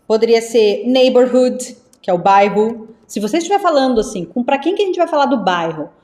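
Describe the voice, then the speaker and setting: A young woman from teaching English live, lively and repeating words slowly for her students. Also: a little high, roomy sound. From Brazil. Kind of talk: live online English lesson.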